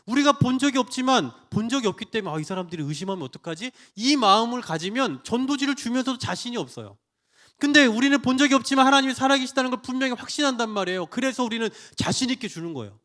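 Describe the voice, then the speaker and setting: Pastor, middle-aged man, high lively voice, preaching to a church congregation with rhetorical questions. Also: fast talker. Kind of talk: sermon. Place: church, Friday prayer meeting.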